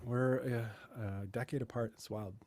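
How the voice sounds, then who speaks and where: A man's voice: medium pitch, fairly even intonation, normal speed, a little mellow. A man in his late forties, a guitarist chatting casually on a live stream, joking and self-mocking. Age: 40s. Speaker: guest guitarist. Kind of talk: casual chat.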